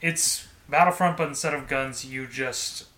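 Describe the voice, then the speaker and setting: A man's voice: medium pitch, unhurried, bright, forceful tone. A man co-hosting a casual gaming podcast, crude and swearing. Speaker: podcast co-host.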